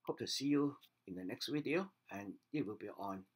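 Older cantonese-native guy teaching on a webcam, low husky voice, slow careful explaining. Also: expressive. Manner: measured, plain explaining with pauses and restarts. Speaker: language teacher. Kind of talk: unscripted video lesson. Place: home study with bookshelves, indoors. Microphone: webcam at desk.

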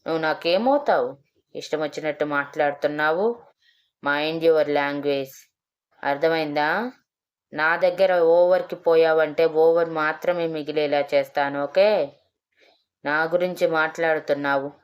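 Woman voicing a shouting young man, angry, lower pitched, crisp clear voice, storybook. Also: steady tone, unhurried, pauses often. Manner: shouting, scolding.

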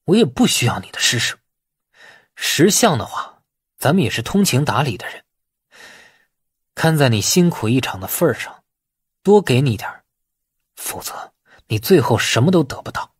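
A man's voice: mid-range voice, very animated, normal speed, long pauses, husky, dry recording, clean studio sound. A man voicing a sullen, resentful young heir in an audiobook, taunting and sarcastic with a drawl. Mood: menacing.

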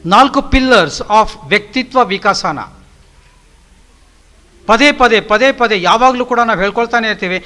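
A man's voice: very high-pitched, unhurried, pauses often, bright, forceful tone, faint music behind. A middle-aged male professor giving a motivational lecture, stressing his points with repetitive lists and English phrases mixed in. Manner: emphatic, repetitive lists, mixes in English words.

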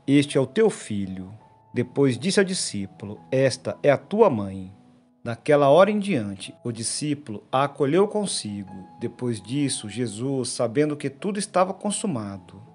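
A man reading the daily gospel and a short reflection in a solemn, measured liturgical manner. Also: medium pitch. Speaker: gospel reader and preacher. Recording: soft instrumental music behind.

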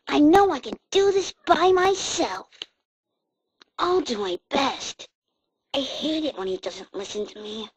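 A woman's voice: high-pitched, measured pace, dry recording. A woman voicing an eager, earnest young boy fox sidekick in an amateur cartoon audition. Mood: excited, determined. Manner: earnest, excitable. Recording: amateur handheld game console recording.

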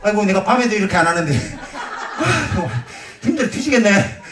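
This pumba entertainer, out of breath, keeps the festival crowd laughing with jokes and playful jabs. His animated voice sits high, sounds a bit bright, and moves fairly quickly, with distant, roomy audio and crowd noise around it.

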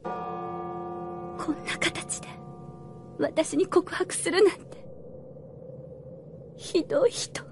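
A very high, soft voice as a grieving young maiden in love, with faint music behind. She is tender and emotional, in fantasy radio drama style. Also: takes it slowly, pauses often, exaggerated voice. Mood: hushed grief.

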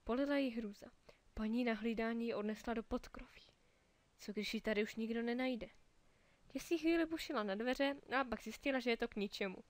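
Woman storyteller, slightly high voice, clear and lively children's story reading, dry close sound. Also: no room sound.

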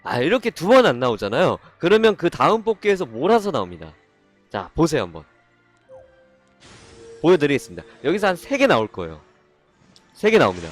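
Man, game streamer, casual live-stream commentary, excitable and exasperated, wildly swinging pitch, faint music underneath. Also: fairly quick, long pauses. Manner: excitable, swings from calm explaining to loud exasperated outbursts. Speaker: game streamer doing gacha pulls for a viewer.

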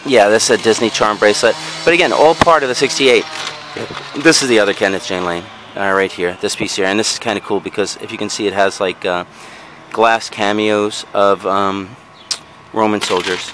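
A man's voice: fairly low pitch, steady tone, moderate pace, a bit bright, soft background music. A man casually talking through things he bought, rambling with frequent ums and self-corrections, recorded outdoors on a handheld camera. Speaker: vlogger showing resale finds. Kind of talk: casual show-and-tell narration. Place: outdoors in a backyard patio.

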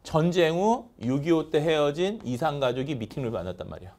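A man teaching English vocabulary in a lively lecture, chanting word lists over and over and acting out little skits. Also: fairly high pitch, brisk.

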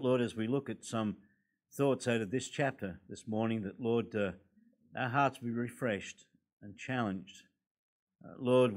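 An older man in his sixties with an Australian accent, a guest preacher at a church pulpit, a little hoarse from a recent cold, building to forceful, emphatic preaching. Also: fairly low pitch. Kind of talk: sermon. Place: church hall, indoors. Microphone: pulpit microphones.

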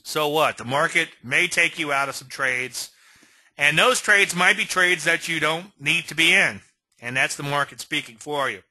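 A middle-aged Cajun man lecturing on trading charts in a folksy, chatty way, tossing in little self-mocking asides. His voice is very bright and forward, close to the mic with a dry, roomless sound. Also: a little high, normal speed, dry recording. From Louisiana. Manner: folksy, asks okay often, self-deprecating asides. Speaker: trading educator. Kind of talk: screen-share webinar lecture.

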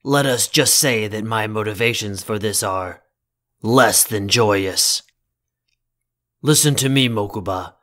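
A man playing a stern, protective young CEO in an audio drama, speaking formally and deliberately with a commanding manner. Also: lowish voice, a bit bright. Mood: grave, stern.

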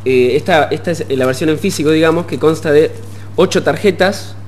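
A young man with an Argentine accent, explaining his work haltingly as a musician guest in a studio interview. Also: a little high, darkish tone, slight background noise. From Puerto Madryn, Argentina. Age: young adult. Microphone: desk gooseneck microphone.

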